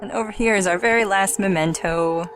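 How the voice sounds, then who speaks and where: Female let's play host, mid-pitched, casual and dryly humorous, clear game music underneath. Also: brisk. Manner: dry, joking.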